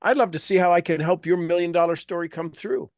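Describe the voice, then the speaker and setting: A man hosts and coaches an informal motivational group call, talking fast and emphatically and repeating phrases for effect. His voice is high-pitched and darkish, with fairly even intonation, no room sound, and the highs cut off.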